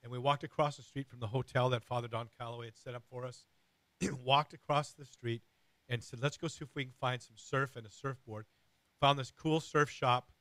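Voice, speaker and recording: Man, middle-aged, radio host, raspy, hoarse, earnest rambling, dry close sound. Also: mid-range voice, steady tone, a little fast, fairly bright tone, no room sound, poor audio. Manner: earnest, rambling with many fillers and restarts.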